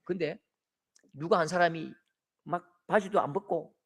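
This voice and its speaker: A middle-aged man with a Gyeongsang Korean accent preaching a sermon, acting out quoted voices and swinging from loud shouts to soft, tender lines. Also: fairly high pitch, moderate pace, breathy edge. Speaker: pastor.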